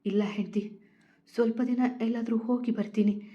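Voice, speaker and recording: A woman voicing an older husband who speaks softly and sadly. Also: fairly high pitch, steady tone, moderate pace, lightly acted. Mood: subdued. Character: older man, hurt and quiet husband. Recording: lo-fi recording.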